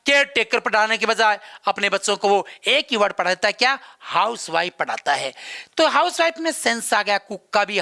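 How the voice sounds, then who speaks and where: A man's voice: high-pitched, creaky, sharp tone. A man lecturing an exam-prep class, repeating key terms and mixing English words into his explanations. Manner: gives examples and writes on a board while talking. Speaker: teacher.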